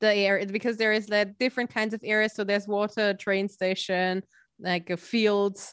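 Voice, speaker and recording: With a non-native accent, a woman speaks at a fairly quick pace in monotone, flat intonation. The recording is very clean, with a silent background and a dry, close sound with no echo. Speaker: streamer and podcaster. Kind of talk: casual chat. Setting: live stream.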